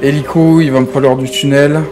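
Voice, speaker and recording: A man with a medium-pitched voice and fairly even intonation talks fairly quickly over music. He's streaming an online roleplay game, chatting in a casual, slangy, improvised way, swearing freely and leaning on the same pet phrases again and again.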